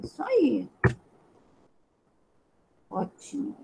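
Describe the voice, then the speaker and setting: A woman's voice: sits high, wildly swooping pitch, very slow, vocal fry, noisy background. A Brazilian woman teaching an online class, patiently explaining and checking in with frequent tag questions. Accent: Brazilian Portuguese. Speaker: schoolteacher.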